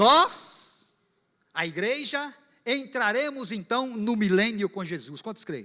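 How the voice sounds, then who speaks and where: A man with a high pitch speaks very slowly in a raised, projected voice with lively intonation. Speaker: pastor. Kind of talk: sermon.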